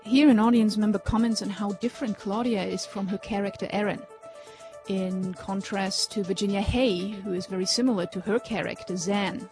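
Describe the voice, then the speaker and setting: Female narrator, mid pitch, plain delivery, music under her. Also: fairly even intonation, normal speed. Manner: plain, informative. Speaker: video narrator. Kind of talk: explanatory voice-over. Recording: voice-over with music behind.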